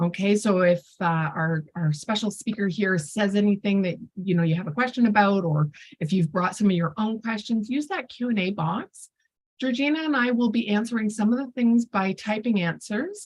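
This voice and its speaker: A woman speaks in a medium pitch. Her voice is somewhat breathy. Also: moderate pace. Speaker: webinar host. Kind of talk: live webinar introduction. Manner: animated.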